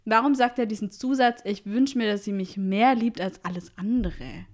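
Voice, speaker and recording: A woman's voice: medium pitch, moderate pace. A woman chatting casually in a podcast, laughing often and arguing playfully about word meanings. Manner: giggly, argumentative, teasing. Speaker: podcast co-host. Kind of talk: casual recap chat.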